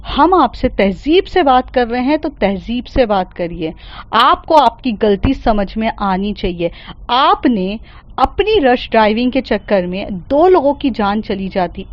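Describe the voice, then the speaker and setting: A woman's voice: fairly high pitch, highs cut off. A woman voicing a fierce, principled young woman who scolds angrily and keeps a formal, polite tone.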